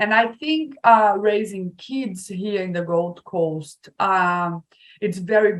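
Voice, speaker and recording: Speaking at a very slow pace in a Brazilian Portuguese accent, a woman uses ordinary pitch variation. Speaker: migrant interviewee. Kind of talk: podcast interview.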